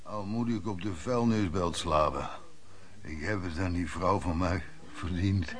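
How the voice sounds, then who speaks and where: An actor playing a boastful, down-and-out drunken flower peddler in a radio play, halting and slurred. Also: male voice, low voice. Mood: defiant. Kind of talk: Dutch radio play acting.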